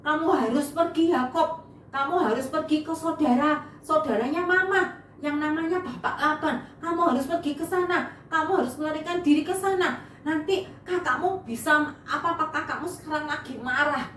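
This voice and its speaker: A woman's voice: high-pitched, a bit bright, a little hiss or hum, voice pushed up. A woman voicing Rebekah, an anxious mother urgently telling her son to run away. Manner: urgent, hurried. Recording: echoey room, mic far off.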